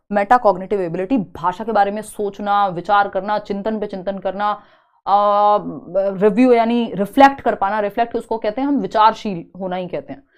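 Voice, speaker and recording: A young woman teaching a live online exam-prep class, chatty and teasing, slowly spelling out word examples. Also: medium pitch. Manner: chatty, teasing students between explanations.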